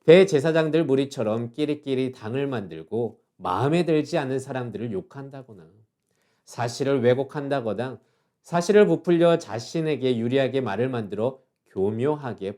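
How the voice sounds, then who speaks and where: Calm pastor with a mellow voice. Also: male voice, mid-range voice. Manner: calm, measured reading with soft trailing line endings. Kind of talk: short devotional sermon.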